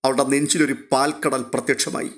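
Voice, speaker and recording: A man's voice: medium pitch, flat delivery, a little fast, fairly bright tone. Man narrating with florid drama. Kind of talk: scripted serial narration.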